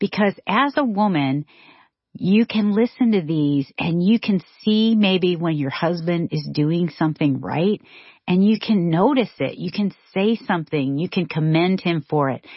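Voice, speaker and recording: A woman speaks fairly slowly in a fairly low, somewhat breathy voice. Her tone is enthusiastic and warm, with lively intonation. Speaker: co-host, pastor's wife. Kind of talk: casual conversation. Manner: enthusiastic, warm.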